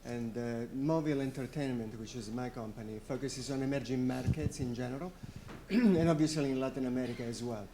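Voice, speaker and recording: A man in his forties introducing himself on a conference panel, in a relaxed, self-deprecating way. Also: mid-range voice, fairly quick, slight background noise. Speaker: panelist, publisher CEO.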